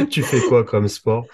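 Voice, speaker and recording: A man hosting a podcast interview, friendly but halting, with many fillers. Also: mid-range voice, darkish tone, breathy edge, no room sound, clean studio sound. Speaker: podcast host.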